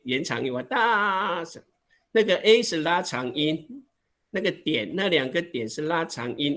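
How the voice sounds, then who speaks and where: Man, Taiwanese accent, language teacher on a video call, voice a little high, dramatizes exclamations. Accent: Taiwanese Mandarin. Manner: acts out exclamations with drawn-out, expressive voicing. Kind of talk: online language lesson.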